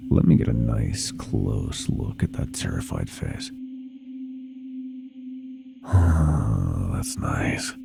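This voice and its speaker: A man voicing an ancient, sadistic monster under the bed in a horror ASMR roleplay, gravelly and often whispering, with a slow, taunting, teasing manner. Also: rumbling low, exaggerated voice. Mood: savoring fear. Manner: slow, taunting, teasing, savoring each word. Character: centuries-old monster under the bed, sadistic, playful, menacing.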